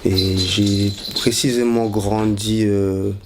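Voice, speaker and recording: A man's voice: on the low side, level tone, slow pace, background noise. A man in his twenties from Congo, raised in Brussels, telling his own story hesitantly with many fillers. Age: 20s. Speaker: interviewee. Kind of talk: personal testimony, unscripted.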